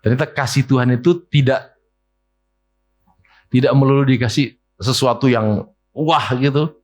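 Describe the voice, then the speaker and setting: Male pastor, lively sermon, medium pitch, faint mains hum. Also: a little slow. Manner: lively preaching, asks the congregation questions; mimics whiny complaints in a high voice. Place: church hall.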